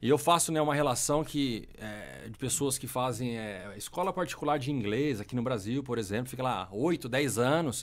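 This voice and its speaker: A man at a moderate pace, with ordinary pitch variation and hardly any pauses. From Brazil. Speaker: professional footballer; podcast guest. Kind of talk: casual interview chat. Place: studio. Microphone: studio mic.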